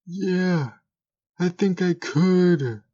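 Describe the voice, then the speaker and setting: A man's voice: high voice, drawn-out words, dark tone, lo-fi sound. A man voicing a small, ugly, sly bridge creature with a mock-polite, folksy drawl in an audio drama. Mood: sly, smug.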